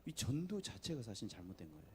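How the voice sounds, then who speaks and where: A man preaching a sermon in a church. He swings between soft, low asides and loud, emphatic appeals to the congregation. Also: very animated, quick pace, a little hiss or hum. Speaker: pastor. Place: church sanctuary.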